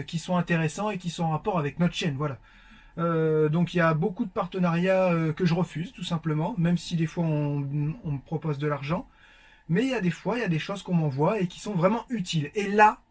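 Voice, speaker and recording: A man from France chatting casually to viewers while unboxing, with lots of fillers. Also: a little high. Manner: chatty, many fillers, warm greetings to viewers. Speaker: vlogger.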